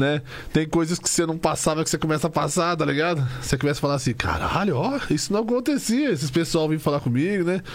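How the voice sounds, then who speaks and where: A very fast, fairly high-pitched man's voice with hardly any pauses, very even loudness, ordinary pitch variation and noticeable background noise. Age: 40s. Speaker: rapper. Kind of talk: casual chat.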